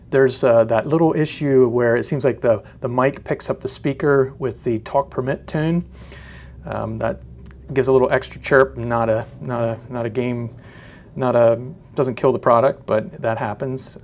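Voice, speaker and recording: A man giving a casual, unscripted product demonstration in a hesitant, halting way, often searching for words. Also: medium pitch. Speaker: product reviewer.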